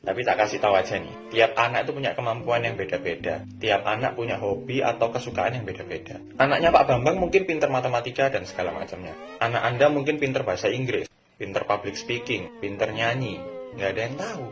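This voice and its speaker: A man's voice: mid-range voice, animated, fast talker. A man giving casual, direct advice and lecturing parents in a monologue. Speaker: video creator.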